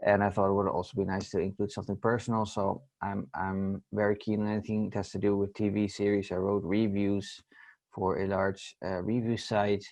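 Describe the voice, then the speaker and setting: A man with a Dutch accent. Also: quiet background. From Netherlands. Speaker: agile coach. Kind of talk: webinar presentation.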